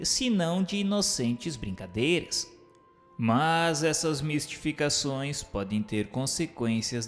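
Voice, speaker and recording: A man with a Brazilian accent reading scripted narration in a formal, measured way. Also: medium pitch. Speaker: narrator and questioner. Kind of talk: scripted narration of a spiritist text. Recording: long hall-like reverb, music bed.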